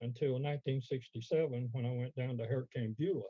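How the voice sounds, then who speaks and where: Here a man speaks with a Texan accent at medium pitch. His intonation is fairly even. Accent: Texan Southern US. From East Texas. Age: 80s+. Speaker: ham radio presenter. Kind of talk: presentation. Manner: halting.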